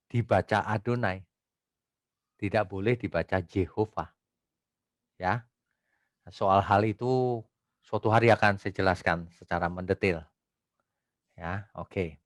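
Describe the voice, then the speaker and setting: A male pastor teaching an online Bible study, reading scripture slowly and asking rhetorical questions. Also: lowish voice, a bit bright, no room sound, studio quality. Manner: reads scripture aloud slowly.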